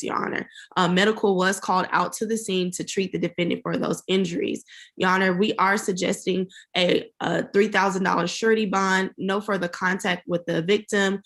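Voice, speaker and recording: Lower-voiced woman prosecutor on a call. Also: fairly bright tone. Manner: formal, spells out names and addresses letter by letter. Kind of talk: formal courtroom argument. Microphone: video call.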